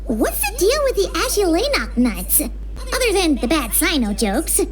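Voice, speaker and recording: Game sidekick: small squeaky creature, childlike, curious, very high-pitched, unhurried in pace. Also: female voice, wildly swooping pitch, a crowd in the background, exaggerated voice. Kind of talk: video game voice acting.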